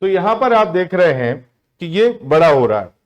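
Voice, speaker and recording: A man's voice: high-pitched, sing-song, highs cut off. Man teaching, asking and answering himself. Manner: asks the class questions and answers them himself, drawn-out words. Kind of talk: exam-prep grammar lesson.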